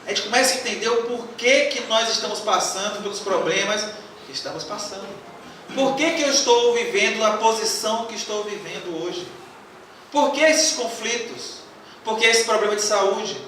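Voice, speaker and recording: In a large, echoey hall, recorded from a distance with faint noise, a spiritist lecturer playfully quizzes a live audience during a religious lecture. His voice sits high, sounds pushed and bright, and keeps a moderate pace.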